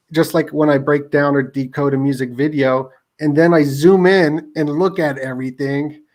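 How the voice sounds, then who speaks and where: In an American accent, a man with a fairly high pitch speaks at a moderate pace with fairly even intonation and an unremarkable speaking voice. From Las Vegas, US. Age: 30s. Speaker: video creator. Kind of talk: casual chat.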